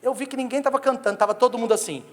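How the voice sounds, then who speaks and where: Racing along at a very high pitch, a Brazilian man in his thirties preaches as pastor, cracking jokes with the congregation and telling comic stories. His accent is Brazilian Portuguese, and the sanctuary gives the audio a long church-hall reverb.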